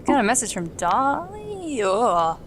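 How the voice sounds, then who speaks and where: Woman host of a let's play, chatty, joking, clear background noise. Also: fairly high pitch, big pitch swings, slow pace. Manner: chatty, self-mocking and joking. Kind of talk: casual gameplay commentary.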